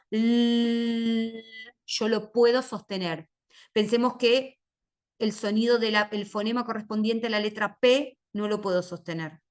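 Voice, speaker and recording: Woman literacy teacher, measured lecture delivery, slightly high, unhurried. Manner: slow, careful, stretches sounds when modelling them. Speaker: literacy teacher giving a training talk. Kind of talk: lecture with phonics demonstrations.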